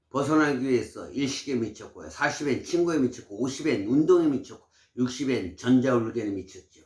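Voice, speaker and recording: A man in his sixties giving health advice in casual, emphatic, preachy talk to camera. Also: mid-range voice. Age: 60s. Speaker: vlogger. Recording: roomy echo.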